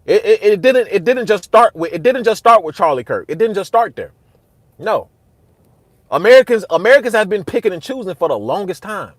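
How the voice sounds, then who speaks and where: A man's voice: sing-song, brisk, no echo. Fired-up man ranting to chat, dry sound. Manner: heated and repetitive, restarts phrases, gets loud and high when worked up. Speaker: host. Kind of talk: casual livestream commentary answering chat.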